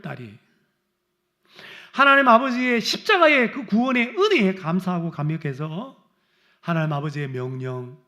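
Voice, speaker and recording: A middle-aged male pastor preaches a sermon, acting out complaints in a raised voice before dropping to a low, quiet tone.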